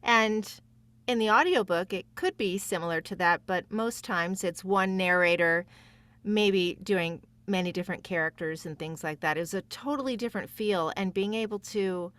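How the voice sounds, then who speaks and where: A woman's voice: mid-range voice, normal speed, fairly bright tone, dry recording. A woman chatting casually as a podcast guest, effusive and emphatic in the way she talks. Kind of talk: casual chat.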